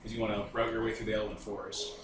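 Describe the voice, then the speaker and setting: A man's voice: on the low side, level tone, racing. A man running a tabletop game as game master, narrating and bantering casually. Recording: roomy, echoey room with faint noise.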